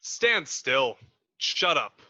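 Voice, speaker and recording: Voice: mid-range voice, big pitch swings, extremely slow, bright, forceful tone, no room sound, exaggerated voice. An actor playing a tough, sneering young henchman in a radio play, curt and threatening. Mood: menacing. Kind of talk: old-time radio play acting.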